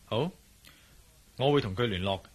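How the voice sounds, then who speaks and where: An actor voicing a calm, curious male investigator in a Cantonese radio drama, speaking in a measured, musing way. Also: medium pitch, husky, natural voice. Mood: conversational. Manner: musing inner monologue, measured. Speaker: lead character.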